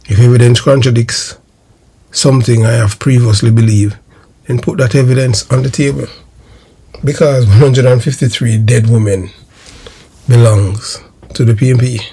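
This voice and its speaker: A man's voice: mid-range voice, steady tone, normal speed, long pauses, mellow, slightly rough, rough recording. A Jamaican man delivering emphatic political commentary to his viewers in a declamatory way, repeating phrases for emphasis. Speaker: host of a political history video channel.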